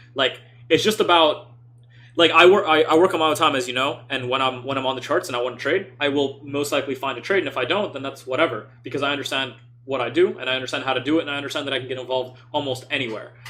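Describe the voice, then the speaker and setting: A man's fairly high voice at a very fast pace. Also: ordinary pitch variation. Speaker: trading mentor. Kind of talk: live webinar Q&A. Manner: casual, filler-heavy.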